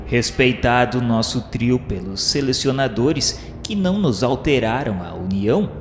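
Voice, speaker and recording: Radio drama narrator, male actor: solemn witness, mid-pitched, literary and grave, heavy reverb over music. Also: animated, measured pace. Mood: grave recounting. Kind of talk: scripted first-person radio drama narration. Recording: long echoing reverb, music bed underneath.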